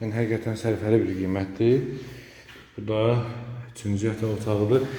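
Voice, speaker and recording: Amid noticeable background noise and audible room echo, a man talks at a fairly slow pace in a medium pitch. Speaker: real estate agent. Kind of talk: property tour sales pitch.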